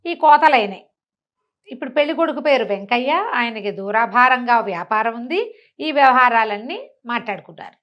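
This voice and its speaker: A woman's voice: fairly high pitch, expressive, normal speed, dull audio. A woman storyteller telling a folk tale in a chatty, colloquial, conversational way, acting out the characters' remarks. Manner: chatty, colloquial, acts out villagers' quoted remarks.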